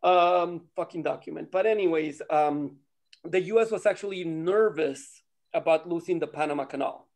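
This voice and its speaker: A man from Costa Rica, a native Spanish speaker, tells stories casually in an animated, digressive way and swears freely. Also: on the high side, moderate pace. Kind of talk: casual chat, storytelling.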